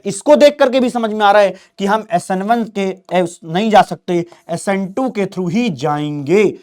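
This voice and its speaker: High-voiced, animated male chemistry teacher. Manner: animated, keeps prompting students with questions; acts out molecules in quoted first-person voices. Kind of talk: exam-prep lecture.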